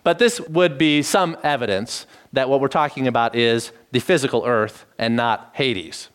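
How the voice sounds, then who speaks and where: Smooth-voiced man preaching an expository sermon. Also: mid-range voice. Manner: measured teaching tone with lively emphasis on key phrases. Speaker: pastor.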